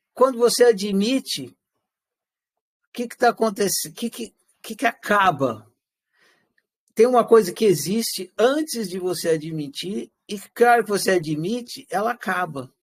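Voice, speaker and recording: This man's voice sits high, and he speaks a little slowly with long pauses. Teaching a live class, he questions his students and animatedly acts out everyday lines in quotes. He also poses rhetorical questions and answers them himself.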